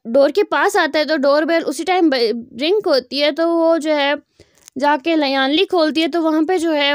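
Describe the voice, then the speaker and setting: A woman retells a fan fiction story in a loose, chatty manner, stopping and restarting as she goes. Her voice is high. The sound is close and dry. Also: no room sound. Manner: chatty, with many fillers and restarts.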